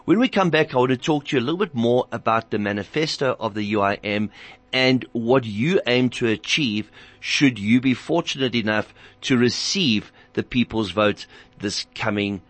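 A man hosting a radio talk show, asking measured, structured questions in a studio. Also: mid-range voice, fairly bright tone, no room sound.

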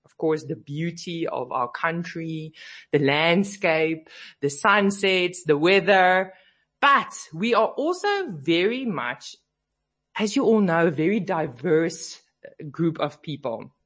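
Speaking slowly at a fairly low pitch, this South African radio host has a fairly bright tone and lively intonation. In the studio she's chatty and drowsy, quick to laugh, with a voice slightly roughened by a cold.

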